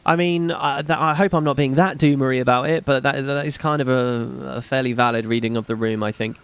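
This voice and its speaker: A man's voice: mid-range voice, fairly even intonation, a little fast, smooth. A man hosting a gaming livestream, rambling casually and swearing while he reads out viewer comments. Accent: slight British. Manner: rambling, profane, self-deprecating. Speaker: gaming streamer host. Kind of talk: casual livestream chat reading donations.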